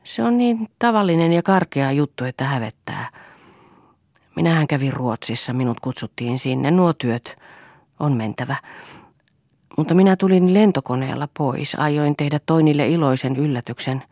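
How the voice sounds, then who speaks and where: A woman voicing a distraught middle-aged man who speaks quietly and haltingly, in an audiobook. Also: sits low, expressive, no room sound, clean studio sound. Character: shaken middle-aged man confessing in a hushed voice.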